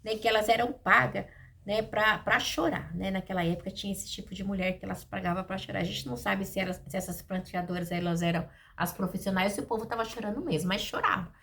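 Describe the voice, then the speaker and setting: A woman preaching a sermon in a lively way, acting out the scenes she tells. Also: mid-range voice, quick pace, gravelly, slight background noise. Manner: animated, acts out the scenes in voices.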